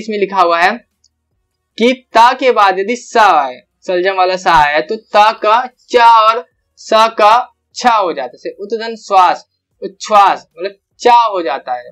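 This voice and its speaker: A young male teacher with a high voice talks through a grammar lesson from his computer. He works step by step, repeats each example and stretches out the syllables. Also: fairly bright tone.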